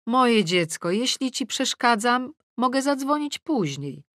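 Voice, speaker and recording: A woman's voice: fairly high pitch, big pitch swings, measured pace, a bit bright, no echo, studio quality, voice pushed up. A woman audiobook reader playing an anxious, reproachful older mother with a probing, martyred manner.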